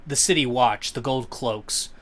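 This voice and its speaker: A man's voice: medium pitch, a little slow, fairly bright tone. A man co-hosting a podcast in casual chat, rambling and correcting himself as he gives his opinions. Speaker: podcast co-host.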